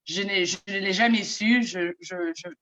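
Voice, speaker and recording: A woman's voice: mid-range voice, normal speed, a bit bright, muffled recording. A Somali-born woman in her thirties, a native Somali speaker, speaking earnestly on a panel and repeating words as she searches for them. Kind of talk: panel discussion remarks. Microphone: video call.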